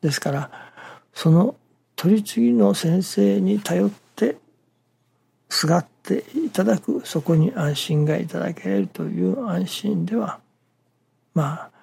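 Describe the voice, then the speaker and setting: Gravelly, husky-voiced preacher. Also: medium pitch, mellow. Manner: halting, measured delivery with phrases broken by pauses. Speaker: minister. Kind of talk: morning sermon.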